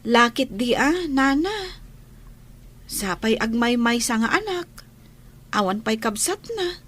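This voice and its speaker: High-voiced, sympathetic teenage schoolgirl acted by a woman. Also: sing-song, slow pace, fairly bright tone, breathy edge, exaggerated voice. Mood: consoling. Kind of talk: Ilocano radio-style drama acting.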